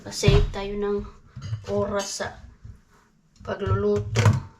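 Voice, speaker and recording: A woman's voice: medium pitch, monotone, slow pace, very noisy. A woman from the Philippines chatting casually in a home vlog, switching to a sing-song voice when talking to her toddler. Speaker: vlogger mom.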